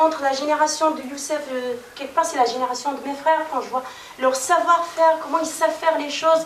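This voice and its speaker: A woman's high-pitched voice at a fairly quick pace, fairly even in intonation but with big swings in loudness, amid audible room echo and noticeable background noise. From Kabylie, Algeria. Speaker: audience member at a public debate. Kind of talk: audience comment in a debate. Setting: public debate with audience. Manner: hesitant, many fillers.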